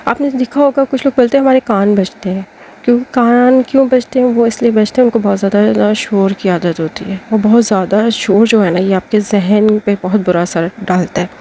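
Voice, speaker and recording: A woman's voice: medium pitch, fairly even intonation, dark tone, slight background noise. A woman with a Pakistani Urdu accent giving casual advice to women, chatty and full of fillers, speaking to her viewers as sisters. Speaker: lifestyle advice host.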